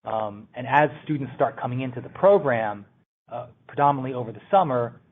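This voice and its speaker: A man's voice: medium pitch, brisk. Man on a tinny phone line. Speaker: company executive on an earnings call. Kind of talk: answering questions on an earnings call. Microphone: telephone conference call.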